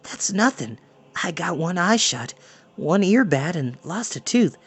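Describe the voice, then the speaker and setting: A man voicing a scrappy young boy who speaks in a hushed, airy way. The voice is raised above his own and lilts lightly. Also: sits high, very animated, measured pace, slightly rough, pitched above the performer's own voice, exaggerated voice.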